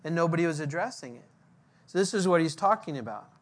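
A male pastor preaching a verse-by-verse sermon in a church, teaching deliberately and posing rhetorical questions to the congregation. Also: on the high side, expressive.

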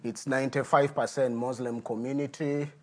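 A middle-aged man, a guest pastor giving a sermon and telling his testimony in an earnest, unhurried way. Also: medium pitch, little pitch movement. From Uganda.

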